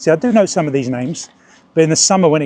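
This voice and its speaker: This man has a dark, mellow tone. His pitch varies in an ordinary way. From southeast London. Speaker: bird vlogger and taxi driver. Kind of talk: casual vlog. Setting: outdoors. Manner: fast.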